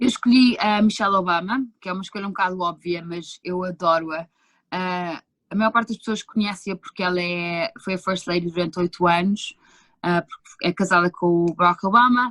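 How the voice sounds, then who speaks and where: A woman with a normal speaking voice at a moderate pace, dry and close with no echo. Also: medium pitch for a woman, fairly even intonation. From Portugal, Lisbon. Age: 20s. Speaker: musical theatre performer. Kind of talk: interview.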